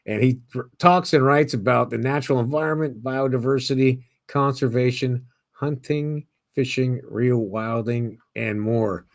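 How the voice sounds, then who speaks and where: Host: man with a mid-range voice and a dry, close sound, eager and halting. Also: mid-range voice, fairly even intonation, no echo. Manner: eager, stumbling questions. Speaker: podcast host. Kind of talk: interview hosting.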